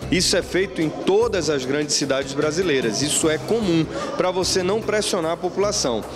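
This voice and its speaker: A man's voice: fairly high pitch, lively intonation, a little fast, over music. A man in his forties with an Amazonas Brazilian accent, a city councillor giving a critical, explanatory statement indoors. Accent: Brazilian Portuguese, Amazonas. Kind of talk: interview statement. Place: indoor press room.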